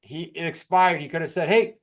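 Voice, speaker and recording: A man from New England with an American accent, presenting case studies as an informal, fast-talking real estate coach. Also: a little high. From New England, United States. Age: middle-aged or older.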